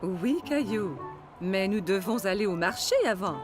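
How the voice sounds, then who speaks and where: A patient, caring mother played by a woman in a children's cartoon. She speaks gently as to a small child, in a medium pitch with lively melody, over clear music. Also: a little slow, lightly acted. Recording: music under the voice.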